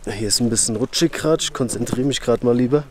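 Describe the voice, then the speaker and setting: A young man from Germany chatting casually to his camera outdoors at a mountain camp, relaxed and full of fillers. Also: mid-range voice, quick pace, a little hiss or hum. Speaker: hiking vlogger. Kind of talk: casual vlog talk to camera.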